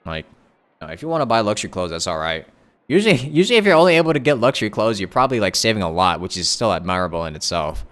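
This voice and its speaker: A man's voice: fairly low pitch, very animated, rapid-fire, a bit bright. A man livestreaming a game, chatting casually and reacting in a laid-back, joking way over the game audio. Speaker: game streamer.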